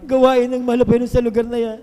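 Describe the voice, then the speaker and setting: A man giving a fervent testimony at a worship service, repeatedly addressing the congregation and breaking into loud hallelujahs. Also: extremely high pitch, little pitch movement, rapid-fire, background noise. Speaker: church member giving testimony. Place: church worship hall. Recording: long hall reverb on a live stream.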